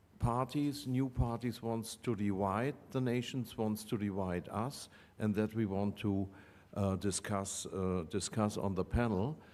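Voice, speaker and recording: A man with a German accent, fairly low pitch and ordinary pitch variation, at a very slow pace with very even loudness, on a very clean recording with a silent background. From Germany. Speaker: panel moderator. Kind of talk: panel discussion moderation. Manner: halting, many fillers.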